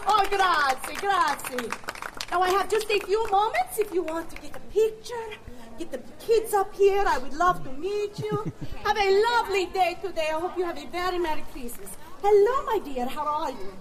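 A woman's voice: very high-pitched, lively intonation, normal speed, a faint crowd. An actress playing a kindly Italian Christmas gift-bringer woman, with an Italian accent and a lilting, theatrical way of talking to a live audience. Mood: warm, festive. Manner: lilting, theatrical, sprinkled with sighing "oh"s. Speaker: costumed holiday show performer.

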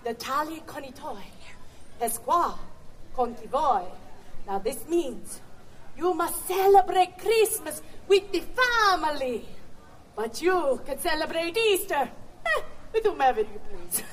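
A woman's voice: sits high, very animated, takes it slowly, exaggerated voice. An actress playing a kindly Italian Christmas gift-bringer woman, with an Italian accent and a lilting, theatrical way of talking to a live audience. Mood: warm, festive. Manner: lilting, theatrical, sprinkled with sighing "oh"s. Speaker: costumed holiday show performer.

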